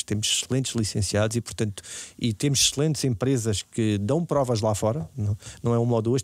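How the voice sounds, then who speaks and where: A man's voice: mid-range voice, a little mellow, dry recording. A man with a European Portuguese accent giving explanatory, conversational answers as a podcast guest, restating points for emphasis. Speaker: podcast guest, technology executive.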